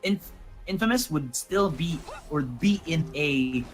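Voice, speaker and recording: A man doing excitable play-by-play commentary on an esports match. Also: on the high side, takes it slowly, faint music behind. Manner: excitable, rising to shouts at big plays. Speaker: esports caster.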